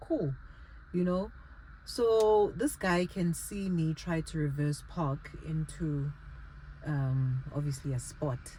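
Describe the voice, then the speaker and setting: This is a woman speaking. She has a Zulu accent. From South Africa. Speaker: vlogger. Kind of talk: casual vlog talk.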